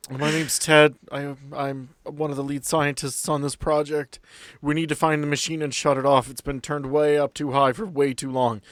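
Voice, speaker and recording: A man's voice: a little high, little pitch movement, normal speed, no echo, studio quality, pitched above the performer's own voice, natural voice. A man voicing a middle-aged male scientist in a tabletop game, anxious and politely annoyed, with hesitant, stammering speech. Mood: nervous, earnest.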